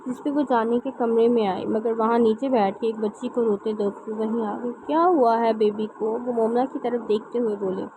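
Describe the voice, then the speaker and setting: A woman reading a romance novel aloud in steady storytelling narration. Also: fairly high pitch, few pauses, background noise. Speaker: novel reader.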